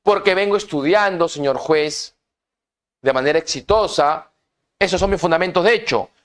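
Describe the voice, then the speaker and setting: A man teaching a law workshop, speaking deliberately, stressing key words and putting questions to his students. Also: a little high. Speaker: law instructor. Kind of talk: lecture to students.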